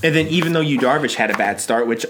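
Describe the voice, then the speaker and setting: A man in his thirties chatting casually as co-host, animated and talkative, jumping from TV to baseball. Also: mid-range voice, noisy background. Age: 30s. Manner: animated, talkative, quick bursts of excitement. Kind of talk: casual chat and sports talk.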